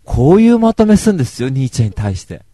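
A man's voice: mid-range voice, big pitch swings, quick pace, warm tone, no room sound. A man giving a casual, rambling book review, wry and self-mocking.

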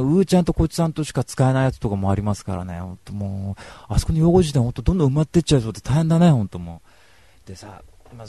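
A man's voice: fairly low pitch, creaky, dry recording. A young man hosting a live radio talk show, telling stories in a casual, joking way. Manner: animated, joking storyteller.

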